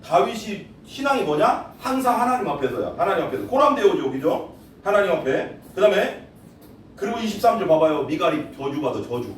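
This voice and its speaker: Male pastor, sermon, lively, quizzes congregation, high voice, distant echoey sanctuary, faint noise. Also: brisk. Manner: animated, quizzes the congregation, acts out quotes. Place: church sanctuary.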